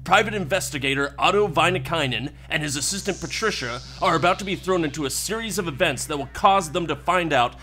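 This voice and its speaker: A male podcast announcer with a bright, sharp voice pitched on the high side. He reads scripted narration for a radio drama, with light music playing behind him.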